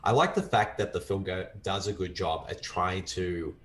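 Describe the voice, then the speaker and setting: A man's voice: low-pitched, moderate pace, a bit bright, slight background noise. An Australian man chatting casually as a film reviewer, enthusiastic and rambling, with lots of filler words.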